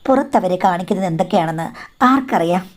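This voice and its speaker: A woman's voice: lowish voice, expressive, quick pace. Storybook role: frank, knowing older woman, read by a woman narrator, teasing and unfiltered. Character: blunt, knowing older sister-in-law type woman.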